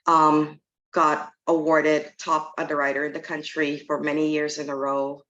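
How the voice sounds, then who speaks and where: Middle aged woman from trinidad, low voice, interview guest just talking straight about her career. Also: flat delivery, moderate pace, fairly bright tone, highs cut off. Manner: frank, plainspoken. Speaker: interview guest, real estate agent. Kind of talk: conversational interview storytelling.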